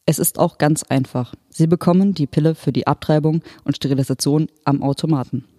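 A reader voicing an unfeeling hologram official who speaks in a calm, matter-of-fact, bureaucratic manner. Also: medium pitch, brisk, no echo, studio quality, natural voice. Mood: detached. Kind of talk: audiobook character voice.

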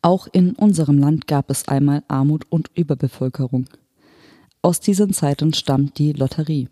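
An audiobook narrator reading a story in an even, measured way. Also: mid-range voice, no echo, studio quality. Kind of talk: scripted narration.

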